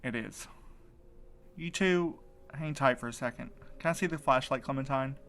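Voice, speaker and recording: A man plays an earnest, determined man desperate to find his missing husband. His voice sits at a middle pitch and is hesitant in delivery. It is an audio drama scene with clear ambient noise behind him. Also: moderate pace, a bit bright, close to an everyday voice. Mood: tense, focused. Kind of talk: audio drama podcast acting. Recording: clear background noise, ambient sound bed.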